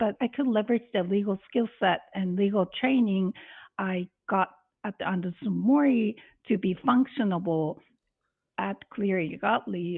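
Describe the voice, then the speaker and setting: A woman with a Japanese accent at a moderate pace, medium pitch and ordinary pitch variation. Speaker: corporate lawyer. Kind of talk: interview.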